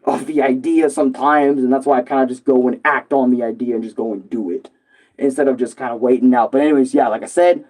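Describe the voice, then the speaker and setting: Hoarse young man ranting casually. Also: mid-range voice, steady tone, fast talker, darkish tone. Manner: loose, profane, rambling with many fillers. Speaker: gaming streamer. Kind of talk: casual rant to viewers.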